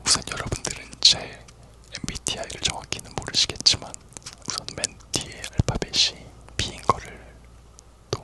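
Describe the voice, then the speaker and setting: A person whispering a casual, rambling ASMR chat in a soft, unvoiced whisper. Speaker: ASMR video creator.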